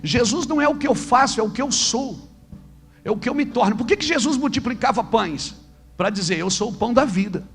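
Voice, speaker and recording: A man, a pastor preaching a sermon to fellow pastors, acting out little dialogues and at times rising to shouts. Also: extremely high pitch, brisk, faint music behind.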